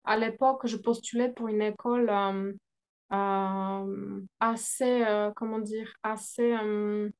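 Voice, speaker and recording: A young woman talking as a guest in a conversational interview, searching for her words with many pauses and fillers. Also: mid-range voice, level tone, smooth.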